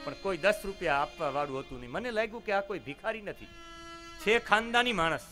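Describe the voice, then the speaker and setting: A man's voice: high-pitched, expressive, brisk, bright, forceful tone. A man preaching in a devotional storytelling style, telling moral tales with dramatic emphasis. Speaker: religious storyteller. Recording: violin music behind the voice.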